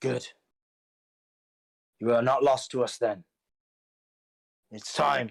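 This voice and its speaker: Raspy and put-on, this character voice moves at a fairly slow pace with long, frequent pauses. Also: man, medium pitch for a man. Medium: actual play. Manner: terse, commanding.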